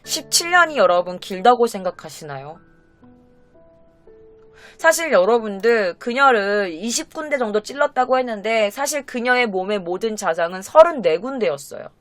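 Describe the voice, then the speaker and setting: A woman telling a true crime story in a casual, animated way, speaking straight to her viewers. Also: a little high, moderate pace, no room sound, faint music behind. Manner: animated, acts out quotes, talks straight to viewers. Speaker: horror storyteller, streamer.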